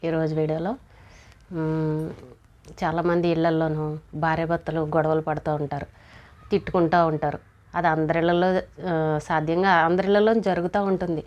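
A woman's voice: sits low, little pitch movement, moderate pace, long pauses, darkish tone, muffled recording. A middle-aged woman giving advice in a motivational talk, scolding and acting out what relatives say. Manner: scolding, acts out quoted relatives. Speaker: motivational speaker.

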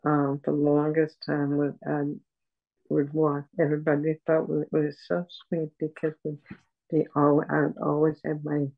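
An older woman on a video call at home, speaking softly and haltingly with many pauses as she talks about her life as a patient. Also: low voice, monotone, creaky, phone-quality sound. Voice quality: soft voice. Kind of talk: personal account in an interview. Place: room at home. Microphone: video call webcam.

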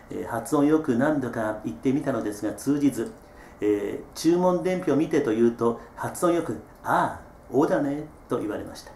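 A middle-aged man, hosting a casual solo radio-style chat. He reads out listener messages in a relaxed, chatty way, with many drawn-out filler sounds. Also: mid-range voice, gravelly, slight background noise. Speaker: host reading listener messages. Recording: roomy echo.

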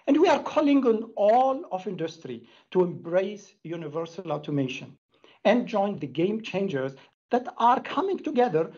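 Middle-aged man, raspy voice, emphatic executive presenter, scripted corporate talk, muffled lo-fi audio. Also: high-pitched, a little mellow. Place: indoor room, plain wall.

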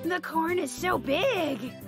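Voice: very high voice, slow, full character voice. An actor voicing a bossy but good-natured bear in a children's cartoon, with emphatic exclamations. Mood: upbeat. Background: light children's music.

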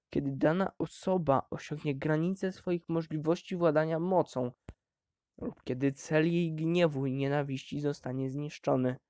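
A man narrating an audiobook in a measured, deliberate way. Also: a little high, darkish tone, dry recording, clean studio sound.

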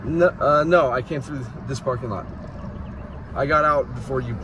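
A man casually vlogging outdoors beside a creek, chatting warmly to his viewers as he walks. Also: medium pitch, normal speed, lo-fi sound. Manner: chatty, affectionate toward viewers. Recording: loud outdoor noise and traffic.

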